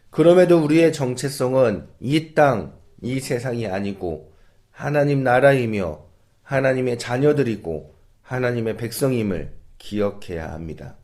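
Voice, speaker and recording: A man, a pastor, giving an early-morning sermon in a church and closing with a prayer, earnest and measured, his sentences trailing off softer and lower.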